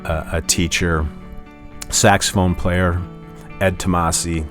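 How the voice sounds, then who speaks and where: Deep-voiced guy guest on a podcast, rambly storytelling, lots of you-knows, faint music under it. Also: little pitch movement, takes it slowly, fairly bright tone. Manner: rambling, many restarts and "you know". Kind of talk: casual storytelling interview.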